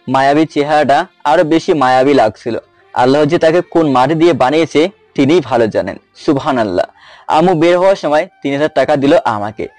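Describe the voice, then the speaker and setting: A young man narrates a love story in first person with wry, mischievous asides. His voice is fairly high for a man and sits close and dry on the mic, over faint music. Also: darkish tone, no room sound. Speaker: narrator and male lead.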